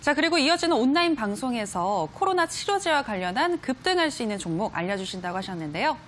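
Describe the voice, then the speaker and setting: A woman hosts a stock broadcast in a smooth, scripted announcer manner. Her pitch moves in a lively way, and a faint noise sits under the recording. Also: quick pace. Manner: polished, scripted announcer delivery. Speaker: program host. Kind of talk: broadcast hosting.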